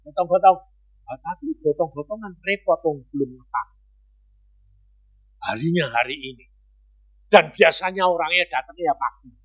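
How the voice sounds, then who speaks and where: A man's voice: fairly high pitch, lively intonation, moderate pace, long pauses, breathy edge. Man preaching a testimony. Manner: conversational storytelling with sudden jumps in loudness. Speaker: evangelist preacher. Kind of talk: sermon with a personal testimony.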